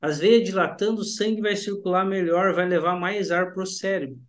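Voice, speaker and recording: A man with a Brazilian Portuguese accent, a hypnotherapist giving a lively, explanatory lecture and freely shifting his intonation. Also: high voice, normal speed. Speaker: hypnotherapist teaching a class.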